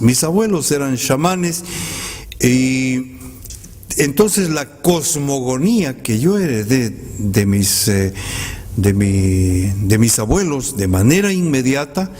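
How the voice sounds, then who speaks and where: Slow, reflective man in a reverberant hall. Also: fairly high pitch, darkish tone. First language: Mayan language. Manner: measured and thoughtful, polite asides to the audience, occasional hesitant fillers. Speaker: guest poet speaking to an audience. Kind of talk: reflective commented poetry talk. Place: public library hall.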